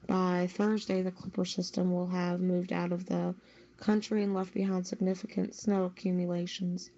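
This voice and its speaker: A woman's voice: on the low side, level tone, normal speed, warm tone. A woman reading a scripted weather report as a news podcast's weather reporter. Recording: dull lo-fi sound.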